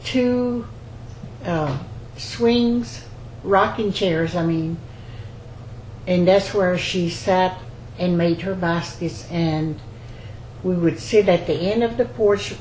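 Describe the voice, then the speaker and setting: Slow-speaking older woman. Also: lowish voice, a little mellow. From rural Louisiana, United States. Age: 70s or older. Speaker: basket maker interviewee. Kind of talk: oral history interview, personal recollection. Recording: roomy echo, faint background noise.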